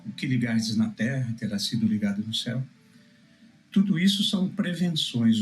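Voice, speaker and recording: A Brazilian man gives religious teaching in a measured, emphatic manner. His voice sits at a middle pitch and rings with noticeable room echo. Music plays faintly behind him. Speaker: preacher. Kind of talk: religious teaching, scripture exposition.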